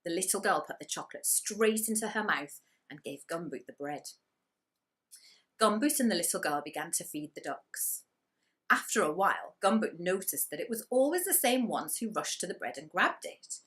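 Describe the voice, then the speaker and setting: A woman storyteller reads for young children in a bright, fairly low voice. Her delivery is animated and expressive, leaning on key words for dramatic effect. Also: moderate pace. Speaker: storyteller reading to primary school children.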